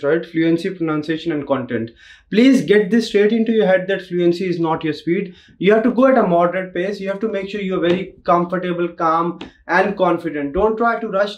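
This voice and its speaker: Recorded in a small home studio, this man in his thirties speaks with an Indian accent and a high voice. He tutors test takers on camera, steady and reassuring, going back over the key points.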